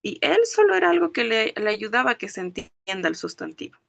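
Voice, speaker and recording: Woman language teacher, bright tone, patient step-by-step explaining. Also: on the high side, very animated, creaky, no echo, lo-fi sound. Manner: explains slowly, checks understanding with "¿ok?" and "¿no ve?". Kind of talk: classroom lecture.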